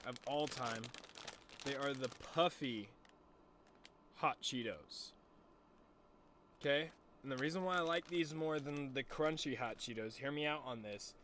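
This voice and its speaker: A man's voice: mid-range voice, measured pace, pauses often, fairly bright tone, a little hiss or hum. A young man with a lisp and a stutter, chatting casually and rambling in a loose, jokey way with plenty of swearing as he talks to his viewers. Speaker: streamer. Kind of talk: casual stoner vlog chat.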